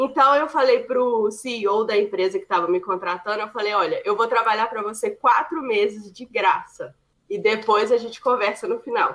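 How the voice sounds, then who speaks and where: At a moderate pace and with hardly any pauses, a woman with a fairly high pitch speaks with ordinary pitch variation. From Brazil, Belo Horizonte. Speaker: startup banker. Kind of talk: interview.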